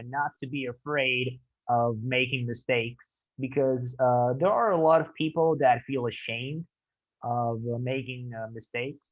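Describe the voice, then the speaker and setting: A man's voice: mid-range voice, muffled recording. A man on a casual podcast, speaking hesitantly with many fillers, switching between English and Portuguese. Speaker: podcast co-host, English teacher.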